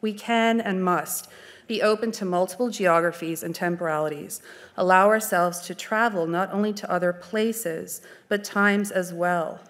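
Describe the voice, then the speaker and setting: A woman in her forties from Canada with a Canadian accent, giving a measured, articulate art history lecture from a lectern on a dark stage. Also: on the low side, fairly even intonation. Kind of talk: formal lecture.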